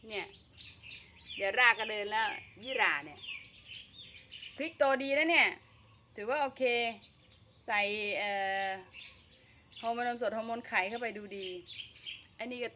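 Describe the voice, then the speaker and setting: A woman's voice: a little high, a little slow, long pauses, bright, forceful tone, slight background noise. A woman vlogging about her home vegetable garden, chatting casually and talking to herself as she works. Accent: Thai. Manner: chatty, talks to herself while working, frequent fillers and laughs. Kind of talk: casual gardening vlog narration.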